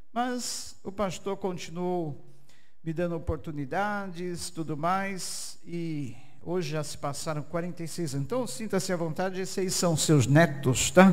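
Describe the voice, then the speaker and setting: A man with a high pitch at a fairly slow pace. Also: ordinary pitch variation, quiet background. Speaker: pastor. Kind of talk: church welcome and prayer. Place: church. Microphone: handheld.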